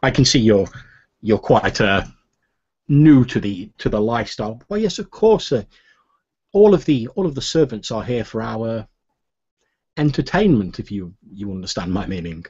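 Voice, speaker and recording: A man's voice: lowish voice, animated, normal speed, darkish tone, slightly rough. A man voicing a decadent masked male noble who is genteel, fawning and politely insinuating, on a dull lo-fi recording. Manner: fawning, overly polite, hesitant.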